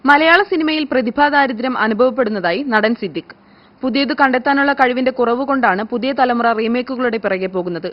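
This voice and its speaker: Fast-talking woman reading news. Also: slight background noise. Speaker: news reader. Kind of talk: scripted news narration. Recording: muffled, low-fidelity broadcast audio.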